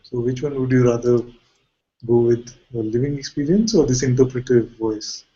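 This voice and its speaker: Man gently questioning in dull lo-fi audio. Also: mid-range voice. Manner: questioning, unscripted, with pauses mid-sentence. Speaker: spiritual teacher. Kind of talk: informal guided spiritual dialogue.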